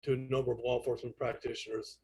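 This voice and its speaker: Husky Brooklyn man giving a lecture. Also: medium pitch, little pitch movement, rapid-fire, warm tone, low-quality recording. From United States, New York. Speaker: presenter, instructor in intelligence analysis. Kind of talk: online lecture with slides. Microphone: internet call audio.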